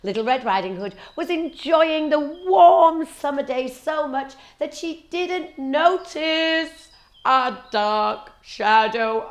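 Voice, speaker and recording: A woman narrating a fairy tale for children in a dramatic, deliberate, expressive way. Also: high voice. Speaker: children's storyteller. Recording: echoey room.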